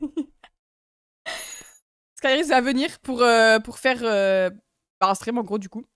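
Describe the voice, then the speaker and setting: A woman's voice: on the high side, takes it slowly, a bit bright, clear, resonant tone, dry recording, clean studio sound. A young woman from France streaming live, chatting casually and giggling as she reacts to her viewers.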